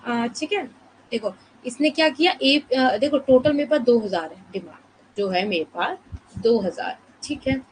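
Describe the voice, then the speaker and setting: A woman with a high voice teaches a live online class in a soft, unhurried way, checking in with her students and asking herself questions as she explains. She sounds tired from fasting. A faint hiss sits under the voice. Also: expressive, low-quality recording. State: fasting, low energy.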